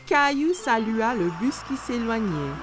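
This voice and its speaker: A woman's voice: a little high, sing-song, a little slow, music in the background. A woman reads scripted children's story narration for a cartoon.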